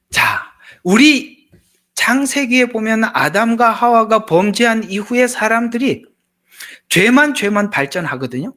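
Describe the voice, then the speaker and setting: Lively high-voiced pastor. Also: male voice. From Gyeongsang region, Korea. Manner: chatty, joking preaching with asides to the congregation. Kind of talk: sermon.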